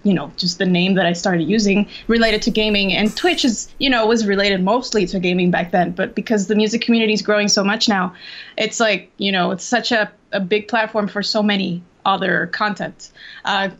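A woman's voice: mid-range voice, steady tone, fairly quick, highs cut off. A young woman from Costa Rica, chatting casually as an interview guest over a video call, full of fillers and restarts. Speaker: interview guest, Twitch drummer.

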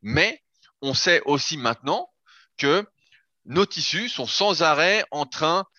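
Slow-paced yet lively in intonation, this fitness coach talks in a fairly high, sharp-toned voice. He explains his method step by step during a casual podcast chat, with an occasional swear word, on a dry, dull lo-fi recording.

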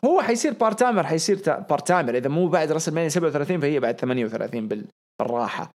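A young man talks through a podcast episode in a loose, chatty way. He gets worked up and circles back on the same words again and again for emphasis. His voice sits a little on the higher side. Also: rapid-fire. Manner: excitable, repeats phrases for emphasis. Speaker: podcast co-host. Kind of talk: casual podcast commentary.

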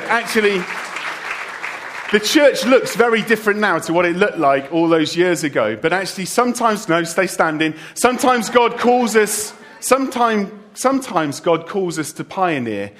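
A man's voice: high-pitched, fairly bright tone. A middle-aged man preaching a farewell sermon as a church leader, with joking asides to the congregation. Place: church service.

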